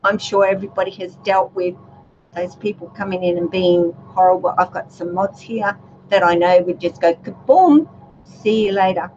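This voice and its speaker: A woman with a soothing voice, hosting a relaxed livestream chat with her viewers, gentle and chatty with many fillers. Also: lowish voice, moderate pace. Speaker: YouTube channel host. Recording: dull lo-fi livestream audio with faint noise.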